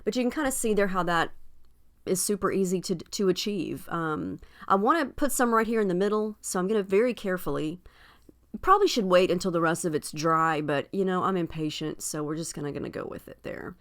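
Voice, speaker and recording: Her voice, fairly low and smooth, still carries a little scratchiness after an illness. She hosts scrapbooking videos and narrates this casual tutorial in a chatty, friendly manner, peppered with ums.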